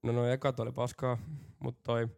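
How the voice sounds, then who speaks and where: Middle-aged podcast co-host, man, monotone gravelly delivery, dry blunt wit. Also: medium pitch. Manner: dry, blunt, swears freely. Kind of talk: casual chat.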